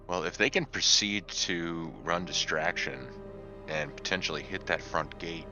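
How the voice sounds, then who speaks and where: A man's voice: sits low, measured pace, music in the background. A man playing a tabletop game, casually discussing tactics over a slightly lo-fi microphone.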